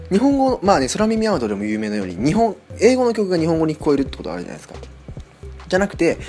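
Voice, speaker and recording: A man hosting a casual solo podcast, chatting with lots of fillers. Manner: chatty, many fillers, lively rising and falling pitch. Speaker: podcast host.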